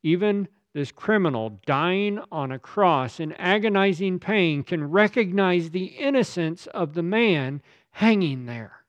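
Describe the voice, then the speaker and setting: A man's voice: high voice, animated, a little slow, few pauses, no room sound. A man preaching a sermon in a dramatic, emphatic way, building his points through rhetorical questions. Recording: slightly dull lo-fi recording.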